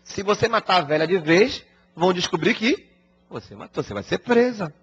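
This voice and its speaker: A man voicing a calm, wise old male sage who gives patient, reassuring counsel, recorded as dull lo-fi broadcast audio. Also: sits high, moderate pace, breathy edge, voice pushed up, full character voice.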